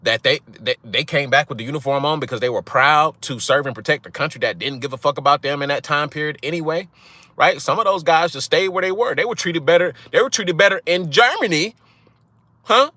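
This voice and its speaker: A man's voice: a little high, fairly quick, sharp tone, dry recording. A young man, talking straight to his viewers in a casual monologue. He is blunt and profane, and he keeps asking "right?" to drive his points home. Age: young adult. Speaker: channel host.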